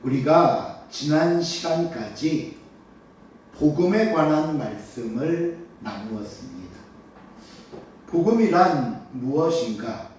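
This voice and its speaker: A man's voice: on the high side, a little mellow, slight background noise. A male pastor preaching a Sunday morning sermon. He asks rhetorical questions and cues the congregation to read scripture aloud. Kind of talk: Sunday morning sermon, expository Bible teaching. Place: church sanctuary during a worship service. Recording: very echoey church sound from a distant mic.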